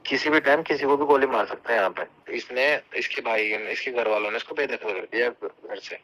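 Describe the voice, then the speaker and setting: A man's voice: medium pitch, fairly quick, sharp tone. A man with a North Indian accent chatting casually and recounting gossip on a recorded phone call.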